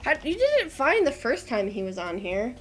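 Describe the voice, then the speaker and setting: A woman's voice: fairly high pitch, big pitch swings, normal speed, breathy edge. A woman hosting a game video, reading the story aloud and scolding her co-host. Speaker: let's-play host. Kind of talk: reading a visual novel aloud.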